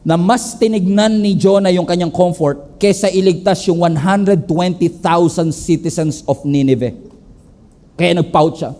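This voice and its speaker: A Filipino man preaching a sermon as a pastor, animated, switching between English and Tagalog and acting out the people in his story. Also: high-pitched, measured pace. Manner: acts out the people in the story in quoted voices.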